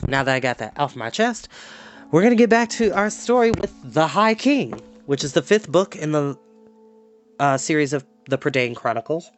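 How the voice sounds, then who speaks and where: High-voiced man, animated storyteller, music behind. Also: normal speed. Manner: animated, chatty. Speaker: storytime host and reader. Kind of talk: casual livestream chat and animated story reading. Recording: music playing in the background.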